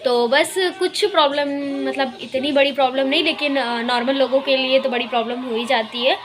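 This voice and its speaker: A woman's voice: sits high, steady tone, a little fast, fairly bright tone. A young woman vlogging outdoors in a rainy park, talking defiantly to camera about negative commenters. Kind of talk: casual vlog talk to camera.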